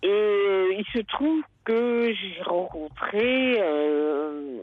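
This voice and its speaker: A woman calling in to a radio show on a cordless home phone, speaking hesitantly and haltingly through a muffled line. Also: medium pitch, expressive. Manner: hesitant, halting, with many pauses. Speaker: caller. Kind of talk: late-night radio call-in confession. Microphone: cordless home phone handset.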